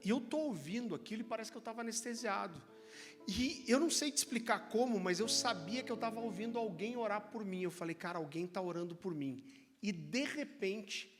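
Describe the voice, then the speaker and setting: Brazilian pastor guy telling his story in a sermon, fairly high voice, lively, echoey church w/ music playing. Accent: Brazilian Portuguese. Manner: animated, chatty storytelling. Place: church sanctuary. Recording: church hall reverb with music.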